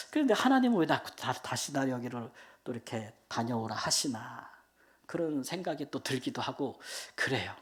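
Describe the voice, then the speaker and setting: Missionary in their 50s sharing a heartfelt testimony at a church prayer meeting, chatty and emotional, swinging loud to soft. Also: medium pitch, gravelly.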